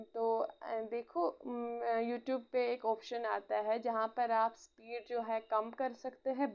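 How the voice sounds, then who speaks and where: A woman gives an exam-prep history lecture in a slightly high voice. She keeps pausing to check in with her students and drops English phrases into her explanations. The recording sounds dull and muffled. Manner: frequent "theek hai" check-ins, mixes English phrases. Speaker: teacher.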